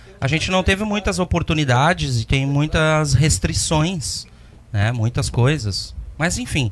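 A somewhat breathy man's voice with very wide pitch swings at a fairly slow pace. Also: fairly high pitch for a man. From Alvorada, Rio Grande do Sul, Brazil. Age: 40s. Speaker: local community member. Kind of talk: casual chat. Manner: halting.

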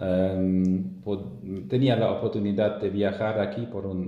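This man has a very deep, low pitch and a dark, mellow tone with a German accent. He speaks at a very slow pace, and audible room echo fills the space. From southern Germany, near Austrian border. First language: German (speaking Spanish). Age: 30s. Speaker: engineer and language student. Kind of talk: interview. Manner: halting.

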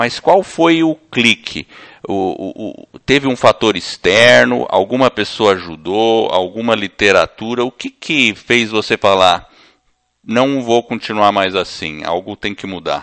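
A man speaks very slowly at a medium pitch, with vocal fry. His intonation is lively. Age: 50s. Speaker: podcast host. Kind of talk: casual interview.

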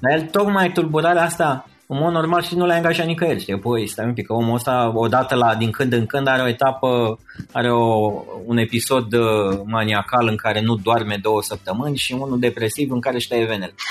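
Here a man talks in an ordinary speaking voice. His pace is fairly quick, with ordinary pitch variation. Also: medium pitch for a man. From Romania, Craiova. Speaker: business consultant and investor. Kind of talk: interview conversation.

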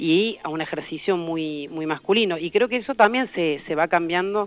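A woman speaks in an ordinary speaking voice, her pitch fairly low for a woman with ordinary pitch variation. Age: 40s. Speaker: government official. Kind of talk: radio interview.

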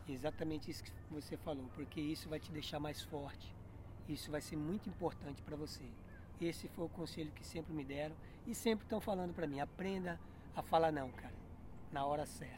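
With a plain, everyday voice, a man speaks fairly quickly at a fairly high pitch and ordinary pitch variation. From Brazil, interior of Bahia. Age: 40s. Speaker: marathon runner. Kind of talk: interview. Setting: outdoors.

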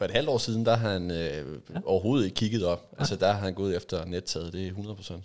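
Speaking at a fairly quick pace with hardly any pauses, a man uses a very deep, low pitch and ordinary pitch variation. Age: 20s. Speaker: schoolteacher. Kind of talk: casual chat. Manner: hesitant, many fillers.

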